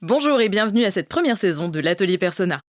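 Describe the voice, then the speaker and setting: A woman's voice: mid-range voice, very animated, fast, no room sound, studio quality, faint music behind. A woman hosting and game-mastering an audio roleplay show, giving a scripted introduction.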